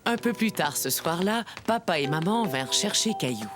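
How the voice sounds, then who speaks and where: Give the voice of a gentle female storyteller played by a woman in a children's cartoon. The delivery is expressive and very animated, like reading a storybook to little ones. Music plays behind the voice. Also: fairly low pitch, normal speed, lightly acted. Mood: storytelling. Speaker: storyteller narrator. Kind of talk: scripted children's story narration.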